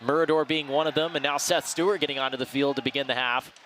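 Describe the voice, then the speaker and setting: Fast, bright male sports analyst. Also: medium pitch, steady tone. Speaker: color commentator. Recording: faint ambient outdoor noise behind.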